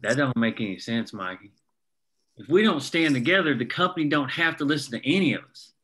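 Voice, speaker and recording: An earnest coal miner acted by a man with a bright, mid-pitched voice. He is plain-spoken and persuasive, a folksy working man rallying his crew in a drama table read. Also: animated, fairly quick. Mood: exasperated, insistent. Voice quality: folksy rural working-class diction. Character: earnest, resolute male coal miner rallying fellow workers.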